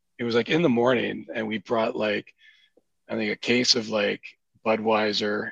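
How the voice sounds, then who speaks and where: A man with a western Canadian accent, in dry, close sound with no echo. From Canada, Richmond near Vancouver. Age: 50s. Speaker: rock drummer. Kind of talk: casual chat.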